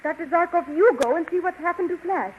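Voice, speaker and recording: A woman's voice: very high-pitched, brisk. An actress playing a brave young woman heroine in a 1930s radio drama, speaking earnestly and pleadingly. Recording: dull, hissy 1930s radio transcription.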